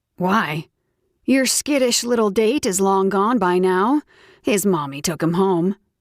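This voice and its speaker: A woman growls through a put-on character voice at medium pitch. She goes at a fairly slow pace in a very clean recording with a silent background. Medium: read story. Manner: smug, teasing.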